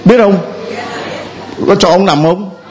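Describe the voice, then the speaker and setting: A man's voice: sits high, takes it slowly, very noisy. A man, a Catholic priest, giving a sermon and playfully teasing members of the congregation. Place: church.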